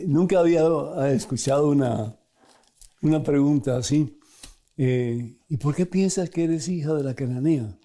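A middle-aged man, a priest hosting a program, preaching and answering viewer questions in an animated way, chuckling between points. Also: takes it slowly. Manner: animated, acts out scripture quotes with sudden pitch jumps.

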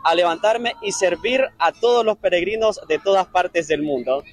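High-voiced man from Nicaragua. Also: moderate pace. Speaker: volunteer interviewee. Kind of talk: short spoken testimony.

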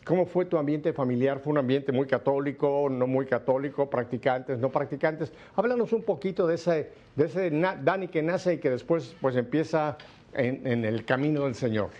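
A man's voice: mid-range voice, normal speed, highs cut off. A man hosting an interview, asking long rambling questions. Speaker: interview host.

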